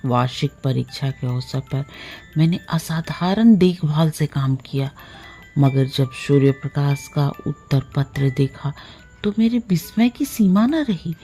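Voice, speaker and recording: Low, slow woman storyteller with a gravelly edge. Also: expressive, warm tone, faint music behind. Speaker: audiobook narrator. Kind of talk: literary short story narration.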